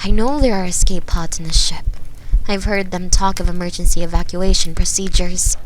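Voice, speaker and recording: A woman's voice: on the low side, steady tone, moderate pace, slight background noise, lightly acted, poor audio. A woman voicing a frustrated, defeated man in a storybook reading. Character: frustrated, defeated man who escaped captivity.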